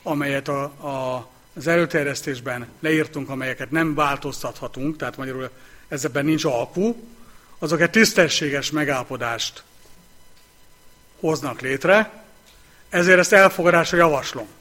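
A man chairing a local council meeting, calling items and announcing vote results in a brisk, procedural way. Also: a little high, sharp tone.

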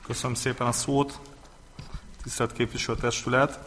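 A man's voice: medium pitch, flat delivery, a bit bright. A man speaking as a council member, giving a formal, critical address to the council. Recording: long hall reverb.

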